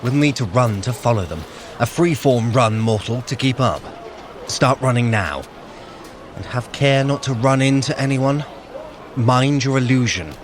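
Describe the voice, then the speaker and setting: A man's voice: medium pitch, measured pace, natural voice. A man playing a sly, impatient male trickster god in an audio adventure, giving clipped commands and sardonic remarks. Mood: commanding. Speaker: workout guide in audio adventure. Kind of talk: scripted audio drama with exercise cues. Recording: clear outdoor city ambience noise. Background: outdoor street sounds.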